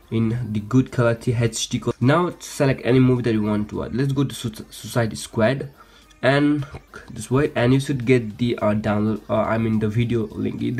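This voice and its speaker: Hosting a casual how-to screen demo on his phone, the tech tutorial host speaks at medium pitch with a slightly mellow voice. He keeps stumbling and repeating himself hesitantly. Background music and some noise run underneath.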